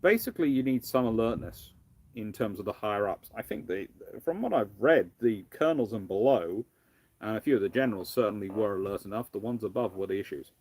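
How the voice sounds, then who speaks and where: Low-voiced British man, rambling live chat. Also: lively intonation, fairly quick, darkish tone, slight background noise. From United Kingdom. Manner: rambling, discursive, often breaking off to restart phrases. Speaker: livestream host, history lecturer. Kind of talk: casual live question-and-answer talk.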